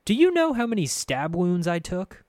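A scornful young street girl played by a man speaks in a thick brogue, pitched well up. She is snappish and slangy in this fantasy audio story, and the sound is close and dry. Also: sing-song, moderate pace, darkish tone, no room sound. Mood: indignant.

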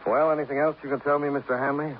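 An actor playing a wry insurance investigator who narrates and questions others in a dry, laconic manner, in a 1950s radio drama. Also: male voice, on the high side, flat delivery, rapid-fire, natural voice. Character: wry insurance investigator, grown man, cool. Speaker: narrator and lead. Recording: dull old radio broadcast with faint hiss.

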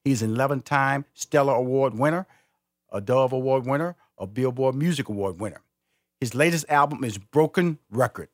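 A man's voice: mid-range voice, dry recording, studio quality. A man hosting a radio interview, enthusiastic and given to repeating words as he starts a thought. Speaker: interview host.

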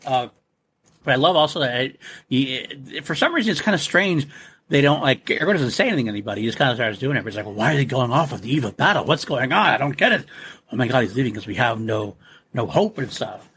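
A man's voice: medium pitch, expressive, fast talker, fairly bright tone, breathy edge. A man co-hosting a podcast, chatting animatedly about a film, laughing often and acting out characters' lines. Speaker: podcast co-host. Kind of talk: casual film discussion.

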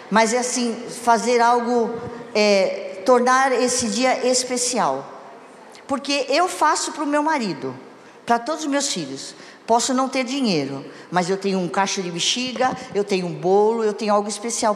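A woman's voice: fairly high pitch, slight background noise. A woman giving a conversational sermon on marriage to a congregation, often asking them questions. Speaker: church speaker. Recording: echoey hall with long reverb.

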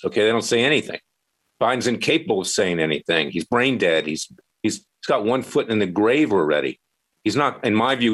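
Very deep-voiced combative talk show host. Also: male voice. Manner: forceful, interrupting, blunt.

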